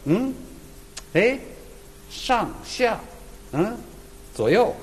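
A man performing a crosstalk comedy routine as the lead teller, talking in a lively storytelling way. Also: high voice, drawn-out words, a little hiss or hum. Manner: lively storytelling with mimicked opera wails. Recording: reverberant stage hall.

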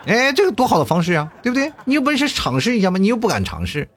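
A man's voice: sits high, huge pitch swings, very fast, a bit bright, husky. A middle-aged man hosting a casual chat show, reading listener messages aloud and teasing them with jokes and laughter. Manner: joking, teasing, often laughing.

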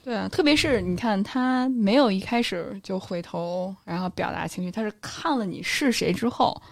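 Gravelly-voiced woman, thoughtful. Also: medium pitch, moderate pace, dry recording. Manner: reflective, analytical, agreeing. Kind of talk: casual chat.

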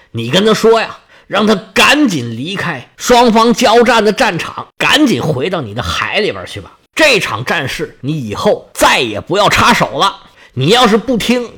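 A man's voice: high voice, a bit bright, breathy edge, heavily acted. A man doing a bossy, threatening king of gods. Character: commanding impatient king of the gods, male.

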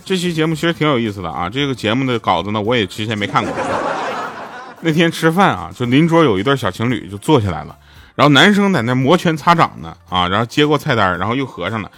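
A man's voice: mid-range voice, big pitch swings, fast, a bit bright, slight background noise. A man hosting a comedic podcast, joking and mocking himself, often laughing as he talks. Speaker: podcast host. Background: background music.

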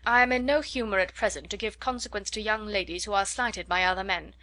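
A proud, aloof young gentleman, voiced by a woman reading aloud, cool and dismissive in tone. The voice is bright and clear, sitting at a middling pitch. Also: brisk, close to an everyday voice. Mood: haughty. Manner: cold, haughty.

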